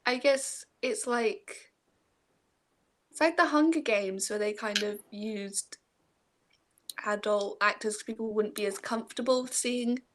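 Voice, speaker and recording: A young woman, chatting casually about books and telling stories in a giggly, animated way. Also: a little high, a little slow, pauses often. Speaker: book discussion co-host. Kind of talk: casual book chat.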